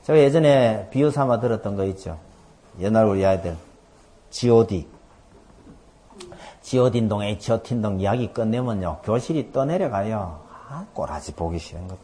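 A middle-aged man preaching a sermon as a pastor, telling stories and acting out dialogue with sudden loud outbursts. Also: fairly low pitch, expressive, moderate pace, a little hiss or hum.

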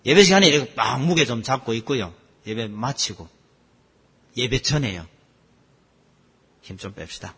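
A man preaching a sermon as pastor, asking the congregation questions and swinging between loud and soft. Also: mid-range voice, animated, normal speed, pauses often, husky. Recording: long hall reverb.

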